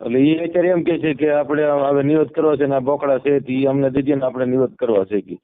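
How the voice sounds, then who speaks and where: A man's voice: mid-range voice, steady tone, quick pace. A man with a Saurashtra Gujarati accent talking informally as a caller, deferential and often repeating himself. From Amreli district, Gujarat, India. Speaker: caller seeking help. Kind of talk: informal phone conversation. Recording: narrowband phone call audio.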